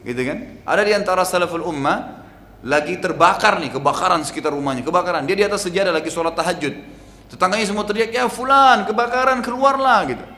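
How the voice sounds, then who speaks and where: Animated preacher in an echoing hall. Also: male voice, sits high, a little hiss or hum. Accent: Indonesian. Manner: animated storytelling with sudden loud peaks. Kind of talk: Islamic study sermon. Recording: echoey hall with faint ambience.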